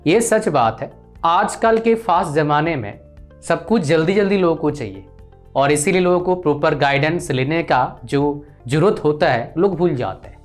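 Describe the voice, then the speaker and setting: A young Indian man, a career counsellor, speaking earnestly and directly to viewers in a lecturing advice talk. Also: on the high side.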